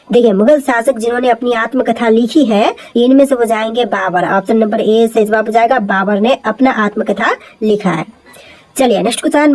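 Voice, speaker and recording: Woman, Hindi accent, higher pitch, quiz presenter, steady repetitive delivery. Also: rough recording. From India. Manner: steady repetitive explainer, repeats each answer. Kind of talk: reading out quiz questions and answers.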